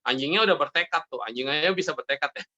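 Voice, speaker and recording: A man's voice: fairly high pitch, fast talker, sharp tone, dull audio. A man, a Buddhist monk, giving a casual sermon full of stories, joking and laughing as he acts out the people in them. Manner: jokey, laughs often, acts out characters in his stories.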